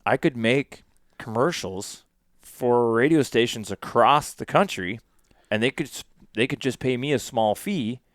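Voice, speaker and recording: A man's voice: mid-range voice, animated, a little slow, no room sound, clean studio sound. A man in his forties chatting casually on a podcast, rambling and full of fillers. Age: 40s. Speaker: podcast guest.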